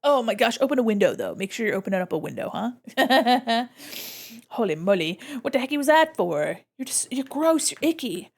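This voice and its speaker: A woman's voice: fairly high pitch, very animated, normal speed, gravelly. A young woman streaming her drawing live, chatting playfully with viewers and giggling often. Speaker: VTuber art streamer. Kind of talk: casual live-stream chat while drawing.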